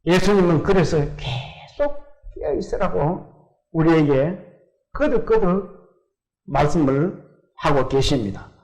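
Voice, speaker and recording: Older guy preaching in church, high voice that swings up and down a lot, asks the pews stuff then answers himself. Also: sing-song, slow pace, creaky, long pauses, darkish tone, poor audio. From South Korea. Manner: asks the congregation questions and answers them himself. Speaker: pastor. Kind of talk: sermon.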